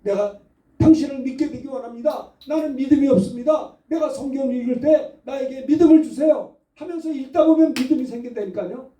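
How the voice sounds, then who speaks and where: A middle-aged man preaching a Sunday sermon, talking in a fairly high but very dark and mellow voice. He tells his story in a casual, conversational way and then presses his point with fervor. The sound is roomy and distant, like a church hall heard from a few steps back. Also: brisk. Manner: conversational storytelling, building to fervent exhortation. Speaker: pastor. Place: church sanctuary.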